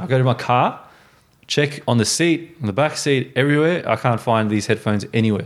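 With an Australian accent, a man speaks at a fairly quick pace with ordinary pitch variation. The recording is very clean, with a silent background. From Australia, Melbourne (Dandenong). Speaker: friend of host. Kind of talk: casual chat.

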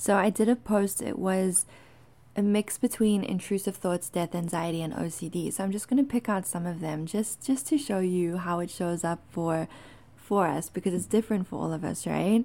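A woman talks in a normal speaking voice at a moderate pace. Her medium pitch shows ordinary variation. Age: 30s. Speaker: mental health podcaster. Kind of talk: casual chat.

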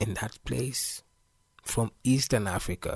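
Somewhat breathy and fairly slow, a man speaks with lively intonation. The recording is very clean with a silent background and a dry, close sound with no echo. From Kenya. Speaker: podcast host. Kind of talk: personal storytelling.

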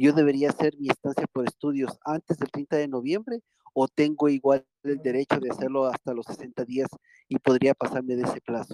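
A man with a dark, mellow tone and fairly high pitch speaks at a moderate pace with fairly even intonation, the sound dry and close with no echo. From Ecuador. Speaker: student visa applicant. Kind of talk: group voice chat question.

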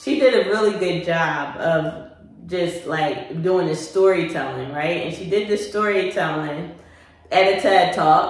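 Noticeable background noise accompanies fairly slow speech delivered with an American accent. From Philadelphia, US. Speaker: YouTube vlogger. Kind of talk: casual solo talk to camera.

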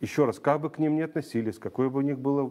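A man with a medium pitch and a dark, mellow tone talks at a fairly quick pace. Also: quiet background. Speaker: member of parliament. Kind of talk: heated debate. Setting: studio.

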